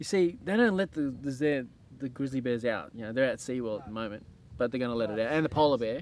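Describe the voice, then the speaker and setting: Over light background noise, a man speaks at a very fast pace with ordinary pitch variation, his sound dry with no echo. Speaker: comedic adventure host. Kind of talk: comedic nature-show presenting. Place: waterside. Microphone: lapel.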